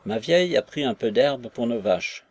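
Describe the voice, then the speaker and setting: A man's voice: medium pitch, expressive, normal speed, close to an everyday voice. Man reading a wry old white-bearded peasant. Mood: grumbling. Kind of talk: audiobook character reading.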